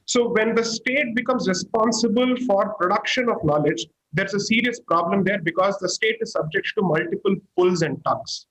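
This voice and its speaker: A man's voice: high voice, normal speed, hardly any pauses, a bit bright, poor audio. A man, laying out an argument step by step on a panel, in a structured, analytical way. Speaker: panel guest. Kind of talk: panel discussion.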